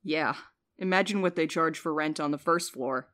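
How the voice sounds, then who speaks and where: A woman acts a jaded young female courier in a fiction podcast. Her voice sits on the low side and sounds weary. She speaks with dry sarcasm. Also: normal speed, fairly bright tone. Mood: wry, weary. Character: jaded, sardonic, sleep-deprived young woman courier named Val. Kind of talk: audio fiction podcast acting.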